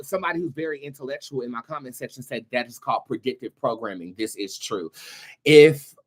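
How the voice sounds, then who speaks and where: A man with a mid-range voice talks as a show host giving informal commentary. He pauses often as he goes, then leans hard on key words. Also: medium pitch. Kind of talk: casual commentary to camera.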